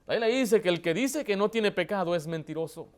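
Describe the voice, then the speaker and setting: A pastor preaching with a notably high-pitched voice for a man. He hammers his points with rhetorical questions and builds to loud, impassioned emphasis. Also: animated, brisk. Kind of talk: sermon.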